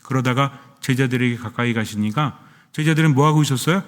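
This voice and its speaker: A man's voice: medium pitch, fairly quick, long reverb tail. A man, a Catholic priest, preaching a sermon who keeps asking his listeners questions and answering them himself.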